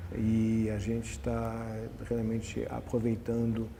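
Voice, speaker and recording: Amid noticeable background noise and audible room echo, a man with a non-native accent speaks at a fairly low pitch. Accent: foreign accent in Portuguese. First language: not Portuguese (speaking Portuguese). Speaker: environmental aviator and project founder. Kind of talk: interview. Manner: halting, with fillers and repetitions.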